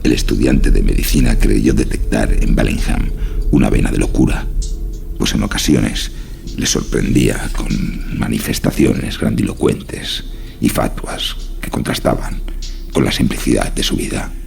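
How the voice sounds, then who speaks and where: Narrador de voz gravísima y cascada. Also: male voice, a bass voice, fairly even intonation, vocal fry, darkish tone, soft background music. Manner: measured, literary delivery. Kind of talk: scripted horror story narration.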